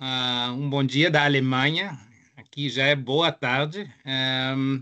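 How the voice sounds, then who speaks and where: Speaking with a non-native accent, a man with a fairly high voice moves at a very slow pace. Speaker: economics professor. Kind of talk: academic lecture. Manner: halting, hesitant.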